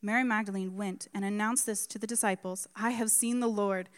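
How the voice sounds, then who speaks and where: A woman reading a Bible passage aloud at a pulpit microphone during a church service, in a measured and careful way. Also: medium pitch, steady tone, clean tone. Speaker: scripture reader. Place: church sanctuary.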